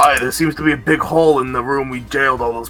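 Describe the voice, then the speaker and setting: A man puts on a character voice at medium pitch, talking at a very fast pace over clear background noise. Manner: yelling.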